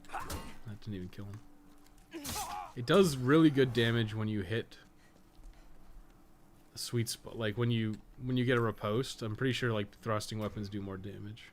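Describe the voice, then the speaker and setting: Male game streamer, lower register, loose sweary think-aloud commentary, some background noise. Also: moderate pace, pauses often. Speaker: game streamer and podcast co-host. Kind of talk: casual unscripted gameplay commentary. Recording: clearly noisy background.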